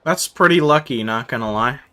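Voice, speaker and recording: A man's voice: medium pitch, brisk, sharp tone. A young man chatting casually with viewers while streaming a game, slangy, joking and sweary. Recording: game music faintly behind.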